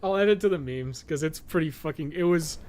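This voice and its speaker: A man's voice: on the high side, a little fast, darkish tone. A man giving casual, profane live game commentary, chatting informally and often muttering to himself as he plays. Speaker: gaming podcast co-host.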